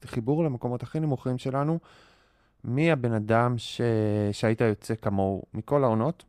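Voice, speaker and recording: A man's voice: medium pitch, a little mellow, dry recording, studio quality. A man co-hosting a podcast in casual chat, talking candidly and mocking himself, often restarting his sentences. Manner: candid, self-mocking, confessional. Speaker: podcast co-host.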